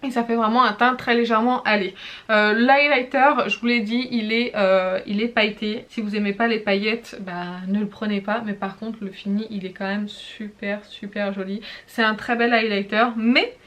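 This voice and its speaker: A woman beauty vlogger casually reviewing makeup products to camera, chatty and full of hesitations, pausing to demonstrate as she talks. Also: medium pitch, fairly even intonation, a bit bright. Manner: chatty, frequent hesitations and self-corrections; demonstrates products while talking.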